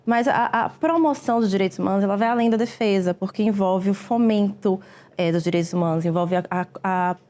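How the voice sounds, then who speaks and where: A woman, a public defender answering interview questions in a measured, explanatory way with frequent hesitations. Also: medium pitch, warm tone. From Brazil.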